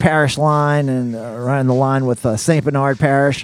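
A man is speaking here. Noticeable background noise runs underneath. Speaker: podcast host. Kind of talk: casual chat. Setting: lounge with microphones. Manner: halting.

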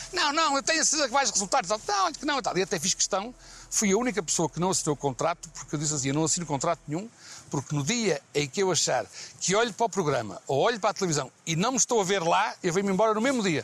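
At a very fast pace, a man talks in a high pitch with very wide pitch swings. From Porto, northern Portugal. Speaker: media commentator. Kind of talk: interview. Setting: at his family's summer house.

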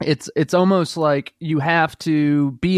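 A man with an American accent and fairly even intonation, in a dry, close sound with no echo against a quiet background. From US South. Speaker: podcast co-host. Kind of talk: casual podcast conversation.

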